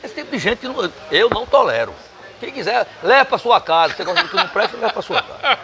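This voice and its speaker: A man's voice: high-pitched, very animated, quick pace, pushed and bright. A man from Northeast Brazil with a Northeastern accent, talking as a guest in a casual bar interview, emphatic and combative, with salty language.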